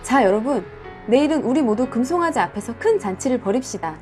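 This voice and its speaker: A woman's voice: on the high side, animated, fast talker, darkish tone, faint music behind, lightly acted. A woman voicing a weak-willed male leader of ancient Israel in a storybook reading, with stagey, amateur declaiming. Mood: proclaiming.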